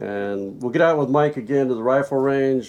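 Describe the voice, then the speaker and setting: The man keeps a moderate pace and ordinary pitch variation while noticeable background noise plays behind him. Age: 70s. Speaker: retired police officer and champion pistol shooter. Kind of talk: casual chat. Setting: outdoors.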